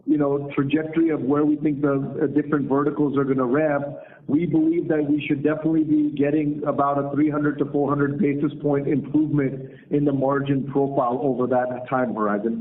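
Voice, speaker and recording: A male company executive answering analyst questions on an earnings call in measured corporate phrasing. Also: a little high, level tone. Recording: noisy narrowband conference phone line.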